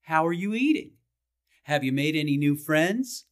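A man acting a defensive, brooding small-town husband in an audio drama monologue, speaking haltingly and asking rhetorical questions with emphatic swings. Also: a little high, animated, close to an everyday voice. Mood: troubled, brooding.

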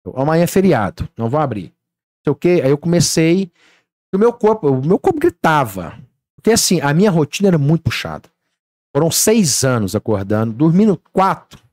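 Animated man telling stories. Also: fairly high pitch, a little fast, no room sound, clean studio sound. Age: 30s. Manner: animated storytelling, acts out dialogue. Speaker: guest. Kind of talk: casual podcast chat.

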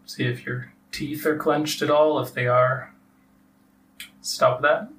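A man leading a guided relaxation meditation as a teacher, giving soft instructions with long pauses. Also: medium pitch, fairly even intonation. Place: live group meditation session. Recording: distant mic with faint background noise.

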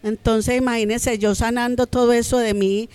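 A woman, a podcast guest, telling her own story in an animated, conversational way. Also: a little high, normal speed, clean tone. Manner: animated, acts out quoted voices.

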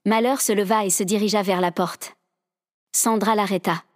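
A woman doing the scripted narration of an audio drama in a steady storytelling manner. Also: mid-range voice, normal speed, no room sound, studio quality.

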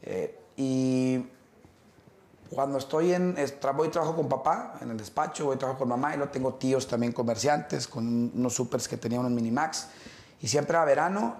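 A middle-aged man, telling stories as an interview guest in a relaxed, rambling way with many fillers and restarts. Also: medium pitch, normal speed, reverberant. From Mexico. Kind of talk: casual interview conversation.

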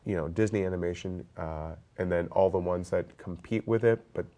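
A man with a very low voice hosts a movie news podcast. He is stuffed up, and he chats casually with plenty of fillers and the odd joke. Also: a little fast, dark tone. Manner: chatty, lots of fillers, jokey. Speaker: podcast host. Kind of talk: casual roundtable chat.

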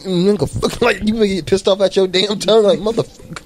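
A man's voice: high-pitched, fairly quick, darkish tone, slight background noise. A young man co-hosting a podcast, telling rambling, profane stories in a casual chat. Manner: rambling, profane storytelling with laughs. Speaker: podcast co-host.

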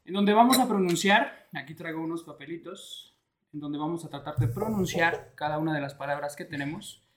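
A man, an animated co-host who mocks himself. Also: on the high side, fairly quick. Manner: animated, self-mocking.

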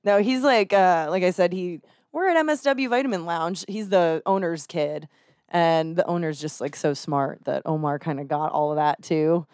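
A young woman with a light Texan accent hosts a relaxed podcast conversation, laughing easily and teasing her guest. Her voice sounds dry and close, with no room echo. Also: lowish voice, moderate pace, smooth. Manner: laughs often, playful. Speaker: podcast host. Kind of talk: casual chat.

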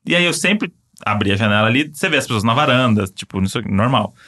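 A man with a Brazilian accent telling a story in casual chat, animated and full of fillers. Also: medium pitch, fast talker. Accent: Brazilian Portuguese.

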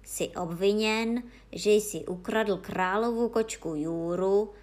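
A woman voicing a stout, strict male judge who thunders and shouts at the accused, in a children's story reading. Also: mid-range voice, natural voice. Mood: hřímavý, rozhněvaný. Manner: hřímá, křičí na obžalovaného. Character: tlustý přísný soudce, hřmotný muž.

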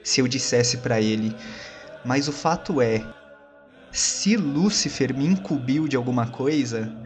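A man improvising dramatic first-person narration as a role-play player, reflective, in short phrases with pauses. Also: medium pitch, animated, faint music behind.

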